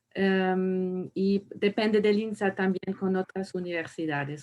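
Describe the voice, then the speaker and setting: At a very slow pace, a woman with a non-native accent speaks at medium pitch with fairly even intonation. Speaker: university international relations representative. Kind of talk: online info session. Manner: halting, stammering.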